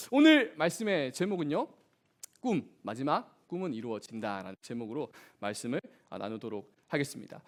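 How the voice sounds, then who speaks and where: Animated high-voiced male youth preacher. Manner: animated preaching with questions to the congregation. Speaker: youth pastor. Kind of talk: sermon. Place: church.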